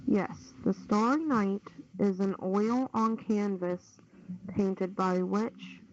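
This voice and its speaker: A woman's voice: mid-range voice, slow pace. A woman hosting a casual trivia game over online voice chat, reading out questions and answers. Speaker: quiz host. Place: online push-to-talk voice chat. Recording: dull lo-fi voice-chat audio, noisy, clicks.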